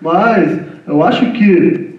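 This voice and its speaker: Guy speaking as guest at a lecture, halting, keeps tagging phrases, high voice, echoey far-off mic. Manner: halting, repeats "né?" constantly. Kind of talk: informal lecture talk. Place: lecture room. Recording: echoey hall from far off, dull sound.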